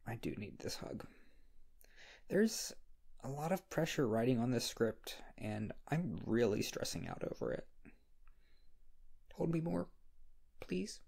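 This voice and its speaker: Man acting a shy, husky, creaky-voiced friend. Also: medium pitch, darkish tone, heavily acted. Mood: confused, needy. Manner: hesitant, halting. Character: shy, flustered, insecure young male scriptwriter friend. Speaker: audio roleplay performer. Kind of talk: ASMR roleplay, intimate one-sided dialogue.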